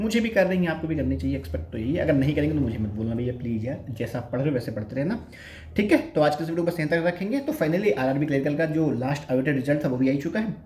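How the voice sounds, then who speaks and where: A man's voice: fairly high pitch, a little mellow. Chatty young man in a roomy room. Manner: chatty and self-mocking, addresses viewers as brother. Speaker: bank exam aspirant vlogger. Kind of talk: casual advice vlog.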